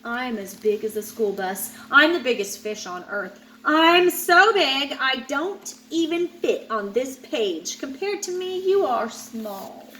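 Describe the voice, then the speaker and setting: A woman acts out a great white shark who badly wants to be the greatest. The storybook voice is high and boastful, with big swings in pitch. It takes its time, and some noise sits behind it. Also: expressive, slow, few pauses, a bit bright, exaggerated voice, rough recording. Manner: boastful, exclamatory storybook delivery. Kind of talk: children's picture book read-aloud.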